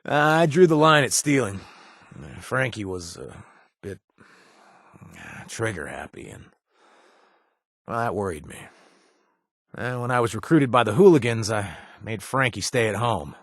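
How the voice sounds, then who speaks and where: An actor playing a remorseful former gang member and recovering addict who now runs a bar, talking casually with wry asides and trailing hesitations, recorded in a dry booth. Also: male voice, fairly low pitch, big pitch swings, a little slow, gravelly, long pauses, no echo, full character voice. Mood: confessional. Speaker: companion character. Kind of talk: video game voice acting.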